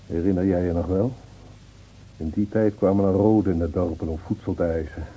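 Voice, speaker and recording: An actor playing a gentle older village man who reminisces, hesitant and reflective, in a radio drama. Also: sits low, fairly even intonation, fairly quick, husky. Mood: fond, reminiscing. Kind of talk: Dutch radio drama acting. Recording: dull old radio recording.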